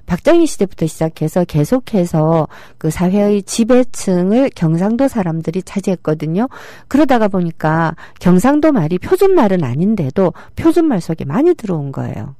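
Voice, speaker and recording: A woman's voice: lowish voice, sing-song, normal speed, few pauses, warm tone, no echo. A middle-aged woman giving a public lecture, explaining with rhetorical questions and acting out quoted speech.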